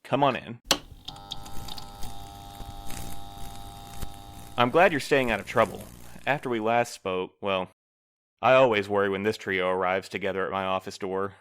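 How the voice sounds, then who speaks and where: A man playing a cautious, courteous postmaster in an audio drama, speaking in a formal, measured, polite way. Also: fairly low pitch, a bit bright, clear, resonant tone, lightly acted. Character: cautious, courteous male postmaster, mild and diplomatic.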